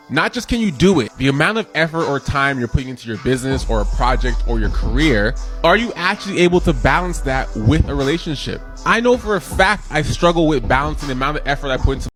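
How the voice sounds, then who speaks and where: A man in a talking-head clip speaks in a questioning way and leans on key words. Soft music plays quietly behind him. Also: mid-range voice. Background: faint music.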